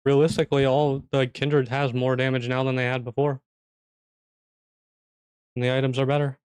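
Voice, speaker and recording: A young man giving chatty, offhand commentary while he plays a game, swearing now and then and clearing a throat that is going hoarse. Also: medium pitch, little pitch movement, normal speed, darkish tone, dry recording. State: losing his voice, clearing throat. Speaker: streamer. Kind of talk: casual gameplay commentary.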